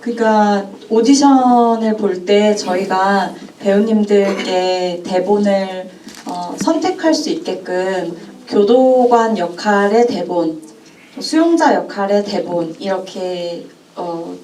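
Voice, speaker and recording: Measured woman director in a roomy hall. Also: mid-range voice, dark tone, far from the mic, slight background noise. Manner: measured, searching for words, repeated phrases. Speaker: film director at a Q&A. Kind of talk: explanatory answer at a screening talk. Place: cinema auditorium. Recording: echoey cinema, from afar.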